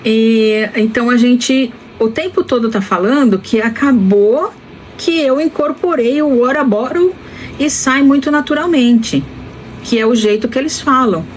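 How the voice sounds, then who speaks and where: A woman in her fifties from Brazil talks to camera in a relaxed, reflective vlog. She speaks slowly and deliberately, pausing often and restarting her phrases as she thinks. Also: high-pitched, slight background noise. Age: 50s. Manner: slow and deliberate, with many pauses and restarts. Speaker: vlogger. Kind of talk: casual reflective talk to camera.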